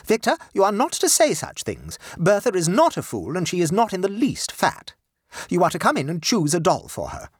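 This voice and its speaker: A man's voice: sits high, wildly swooping pitch, moderate pace, slightly rough, no echo, clean studio sound, voice pushed up, heavily acted. A man voicing a tall, imperious upper-class mother who scolds her son insistently, in a storybook reading. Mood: scolding.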